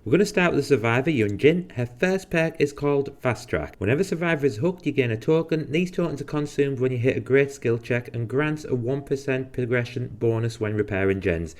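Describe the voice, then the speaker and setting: A man's voice: medium pitch, a little fast, hardly any pauses. A man hosting a gaming channel, explaining new characters and abilities in a casual way, with the odd dry, sarcastic aside. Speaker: gaming video host. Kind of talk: game guide commentary.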